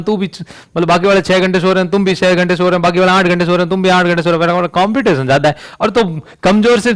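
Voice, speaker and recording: Higher-pitched male chemistry teacher. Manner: rhetorical questions, frequent "समझ रही बात?". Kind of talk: classroom lecture.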